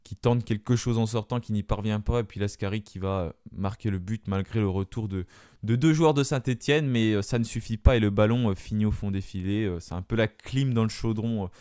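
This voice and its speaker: A fan channel host gives a solo spoken debrief of a football match into a close microphone, hesitating and filling his talk with fillers and restarts. His voice is on the low side, mellow and clean, and a little fast. The recording is dry.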